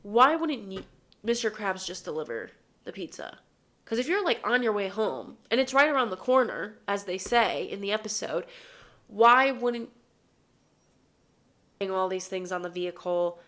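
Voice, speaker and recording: A woman's voice: medium pitch, expressive, unhurried, fairly bright tone. A young woman from Chicago who sounds nasal from allergies, hosting a chatty, opinionated and jokey episode review. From Chicago, USA. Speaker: podcast host reviewing cartoon episodes. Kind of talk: casual review chat.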